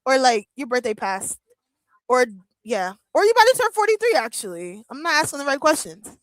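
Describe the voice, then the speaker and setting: A woman's voice: high voice, big pitch swings, fairly quick, no echo, poor audio. A woman in her thirties chatting casually on a live wrestling watch-along, joking with her chat, laughing often and using lots of fillers. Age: 30s. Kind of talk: casual live-stream chat reading comments.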